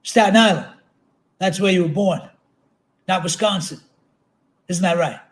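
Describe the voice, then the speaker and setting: Man reading as a high-voiced, folksy, suspicious state trooper. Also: a little slow. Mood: pointed suspicion. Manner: insistent rhetorical questions. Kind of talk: dramatic literary reading.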